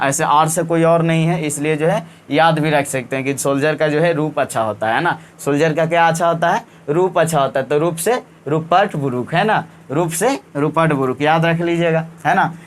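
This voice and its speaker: Coaxing male tutor, slightly high voice. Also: moderate pace, hardly any pauses, a little hiss or hum. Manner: repetitive, coaxing, often ends with "है ना". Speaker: teacher. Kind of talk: casual exam-prep lesson.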